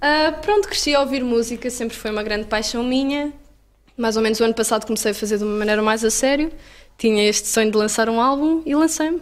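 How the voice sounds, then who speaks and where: Words come out at a very fast pace, the pitch varying in an ordinary way. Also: woman, fairly high pitch for a woman. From Portugal, Almada (south bank of Lisbon). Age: young (18). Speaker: singer-songwriter and music student. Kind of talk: interview. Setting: studio with audience.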